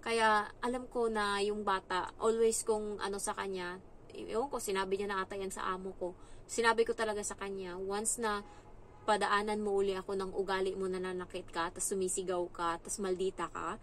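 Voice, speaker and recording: A young woman from the Philippines, a domestic helper, chatting on her vlog and giving advice in a lively storytelling way, acting out other people's lines. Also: mid-range voice, a little fast, slight background noise, rough recording. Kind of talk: casual advice chat. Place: employer's home abroad.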